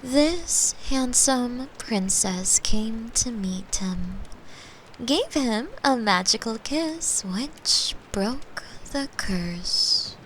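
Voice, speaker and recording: A caring young girlfriend, acted by a woman, murmurs close to the mic in an ASMR bedtime roleplay. Her voice sits a little high and moves at a very slow, soothing pace, playful and tender, dipping into whispers. There is audible noise behind her. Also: lively intonation, heavily acted, rough recording. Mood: gentle, wry. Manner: gentle, soothing, teasing, unhurried, slipping into whispers. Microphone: close microphone, made for headphones.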